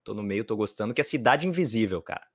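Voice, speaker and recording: A man from Brazil in a casual chat, recommending series and films in a relaxed, enthusiastic way. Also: on the low side, fast, no echo, clean studio sound.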